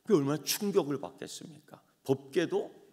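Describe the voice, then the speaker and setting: A man preaching a sermon as pastor, swinging from hushed tones to loud dramatic outbursts. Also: on the high side, fairly quick. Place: church sanctuary. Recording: long church hall reverb.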